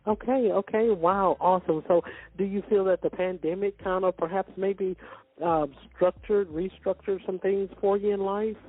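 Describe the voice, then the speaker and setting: A woman's voice: medium pitch, fairly even intonation, normal speed. A woman hosting a radio interview, asking rambling questions full of fillers and restarts. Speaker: radio show host. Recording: dry tinny phone-line sound.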